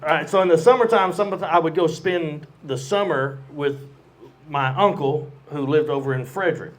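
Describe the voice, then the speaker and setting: A man with a somewhat high voice tells a story in a loose, profane, casual way. He is speaking at a live storytelling show. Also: moderate pace.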